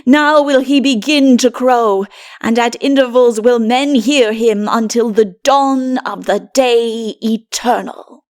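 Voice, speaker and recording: A woman's voice: on the high side, a little mellow. Woman acting exultant, declaiming fatherly prophet. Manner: declamatory, archaic, drawn-out phrasing. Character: solemn, exultant fatherly prophet, grown man. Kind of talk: dramatic audiobook character voice.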